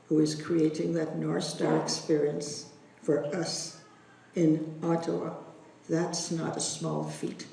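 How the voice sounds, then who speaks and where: A woman introducing a speaker at a ceremony with slow, measured storytelling. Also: fairly low pitch, creaky, warm tone, slight background noise. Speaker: event emcee introducing a speaker. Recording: echoey hall, distant microphone.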